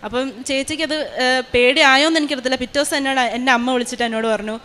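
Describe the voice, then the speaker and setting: A young woman tells her personal testimony. She talks quickly in a slightly high voice. Her delivery is earnest and full of fillers and restarts. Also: steady tone, bright, forceful tone. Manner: earnest storytelling with many fillers. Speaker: testimony giver.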